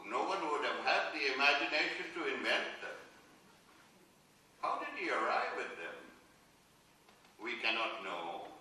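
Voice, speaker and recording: Guy playing an exacting formal maths prof giving a speech, sharp forceful voice, super echoey, slightly far from mic. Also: on the high side, a little hiss or hum, heavily acted. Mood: measured, puzzled. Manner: deliberate, formal, oratorical. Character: exacting, eloquent English mathematics professor, formal and stern. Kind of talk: dramatised lecture monologue in play reading. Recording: very echoey hall, distant mic.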